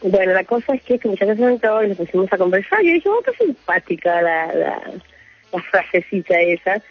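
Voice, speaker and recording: A Chilean woman phones in to a radio program and tells a long, wandering story, laughing often as she goes. Her voice is husky and sits in a middle pitch. The sound is dull and muffled, with faint music playing behind her. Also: lively intonation, fairly quick, no room sound. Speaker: caller. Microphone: phone call.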